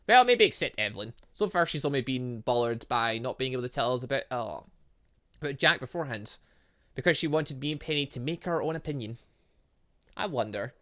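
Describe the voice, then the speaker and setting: This is a gaming host doing let's play commentary with very animated pitch. The delivery is rambling and excitable, moving between reading game text and exclaiming in loose asides.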